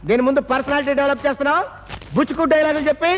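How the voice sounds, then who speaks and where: A man's voice: very high-pitched, fairly even intonation, very fast, slight background noise. An actor playing a comic fake rowdy who taunts and mixes Hindi slang into his speech, in a film scene. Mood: mocking. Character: fake loudmouth street rowdy, comic male bully. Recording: film soundtrack with music behind.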